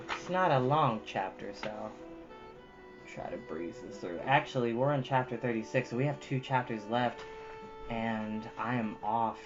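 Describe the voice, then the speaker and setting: Muffled, chatty livestream host around thirty. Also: medium pitch. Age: 30s. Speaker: livestream host who reads books aloud. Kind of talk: casual livestream chat. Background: prominent jazz music.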